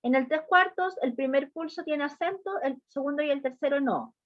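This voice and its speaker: In an online class, a high-voiced woman teaches music at a moderate pace, patiently explaining each idea step by step. She stops often with short questions to check that her students are following. The sound is close and dry with no echo, and has a dull, lo-fi tone.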